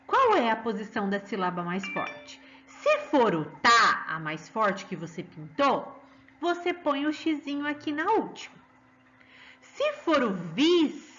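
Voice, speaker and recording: A woman's voice: fairly high pitch, fairly bright tone, muffled recording. A woman with a Brazilian Portuguese accent teaching a children's lesson, sing-song and coaxing, drawing out stressed syllables.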